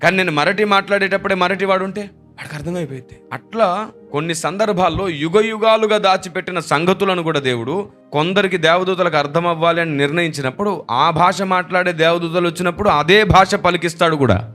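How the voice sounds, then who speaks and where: A man's voice: sits high, brisk, a bit bright, faint music behind. A man preaching a sermon, emphatic and repeating phrases for stress. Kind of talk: Telugu sermon.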